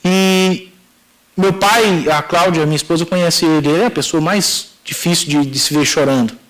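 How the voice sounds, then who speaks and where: High-voiced Brazilian pastor telling a story. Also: male voice, fairly even intonation, moderate pace, fairly bright tone, poor audio. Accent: Brazilian Portuguese. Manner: storytelling, acts out dialogue, addresses listeners as brothers. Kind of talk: sermon testimony.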